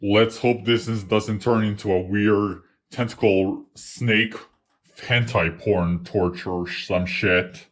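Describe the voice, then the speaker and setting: A man's voice: on the low side, fairly even intonation, slow, a little hiss or hum. A man voicing a crude, sarcastic, grumbling adult in a fan-made cartoon parody dub.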